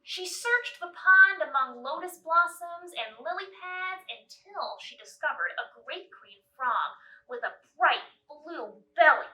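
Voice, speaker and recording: Expressive high-voiced woman reading to children. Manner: expressive, deliberate, addressing young children. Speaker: library storytime reader. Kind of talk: children's storybook read-aloud. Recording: roomy echo, distant mic.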